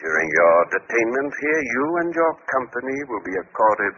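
A stern, imperious military commander in an old science fiction radio play. His voice is bright and forceful, swinging widely in pitch as he issues formal, curt orders. The recording is muffled, with a steady noise behind it. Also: moderate pace. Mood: coolly formal. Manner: authoritative, formal, curtly dismissive. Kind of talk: 1950s radio drama acting.

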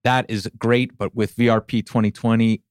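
Low-voiced male podcast co-host. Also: little pitch movement, moderate pace, no room sound, clean studio sound. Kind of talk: conversational podcast hosting.

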